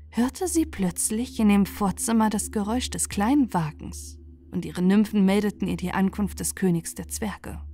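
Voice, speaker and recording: A woman narrating a fairy tale for falling asleep, reading softly and gently. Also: mid-range voice. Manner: soft, gentle, unhurried reading. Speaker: audiobook narrator. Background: faint music.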